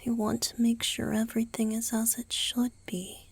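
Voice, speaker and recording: A woman playing a gentle, doting young male vampire boyfriend in a romantic ASMR roleplay, speaking softly and tenderly, mostly in a breathy whisper. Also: fairly high pitch, completely flat delivery, moderate pace. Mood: caring, attentive. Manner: tender, attentive, softly reassuring.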